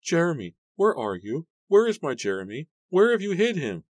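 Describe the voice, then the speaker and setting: A man's voice: a little high, very animated, moderate pace, a little mellow, dry recording, studio quality, voice pushed up. A man voicing a frantic, grief-stricken young woman, wailing desperate questions in a dramatic storybook reading.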